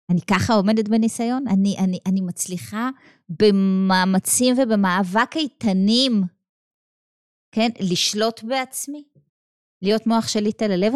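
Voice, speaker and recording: A woman with an Israeli accent teaching a religious text to women. She talks in an animated way, asks rhetorical questions and checks in often with "okay?". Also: fairly high pitch, no room sound, clean studio sound. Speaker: teacher of Jewish texts.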